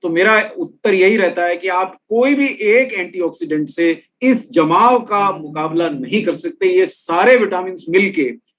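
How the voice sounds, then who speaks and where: A man's voice: sits high, lively intonation, measured pace, a bit bright, a little hiss or hum. A middle-aged man presenting a health and nutrition talk, explaining step by step and speaking straight to his listeners. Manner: explanatory, addresses listeners directly. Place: room with products on shelves behind.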